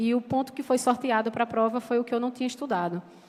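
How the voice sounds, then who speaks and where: Fairly quick in pace, a woman speaks at a high pitch with fairly even intonation. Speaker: university lecturer giving church testimony. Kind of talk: testimony. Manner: fast.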